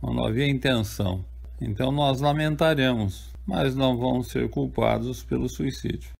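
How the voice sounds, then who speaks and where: An older Brazilian man speaks in a calm, explanatory way with a gravelly, creaky edge to his voice. His pitch sits in an ordinary middle range for a man, and he answers questions as an author. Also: moderate pace. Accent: Brazilian Portuguese. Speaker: author interviewed. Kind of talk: measured spoken answers.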